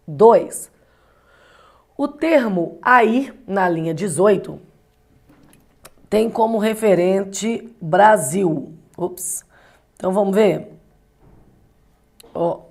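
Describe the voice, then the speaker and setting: A woman's voice: medium pitch, a little mellow. A woman from Brazil giving an exam-prep lecture as a Portuguese teacher, explaining step by step and often asking rhetorical questions. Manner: explanatory, asks rhetorical questions, frequent tag "né".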